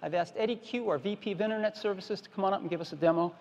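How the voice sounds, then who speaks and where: High, gravelly man pitching on a hall stage. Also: rapid-fire, darkish tone, dull audio, a little hiss or hum. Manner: plain, repetitive, emphatic product pitch. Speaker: keynote presenter. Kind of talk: product keynote presentation. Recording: reverberant conference hall.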